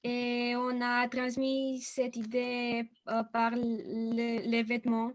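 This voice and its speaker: A woman answering haltingly for her theatre group. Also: on the high side, monotone.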